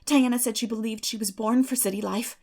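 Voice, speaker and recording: A woman plays an excitable orphan girl from a storybook, high in pitch. She gushes earnestly and dreamily, turning breathy and dramatic when carried away. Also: brisk. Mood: earnest, chatty. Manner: gushing, dramatic, breathy in rapture.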